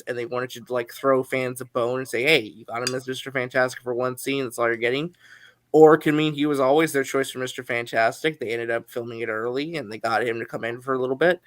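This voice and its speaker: A man's voice: medium pitch, steady tone, a little fast, fairly bright tone, no room sound. A man hosting a live stream discussion who chats in a speculative, self-mocking way.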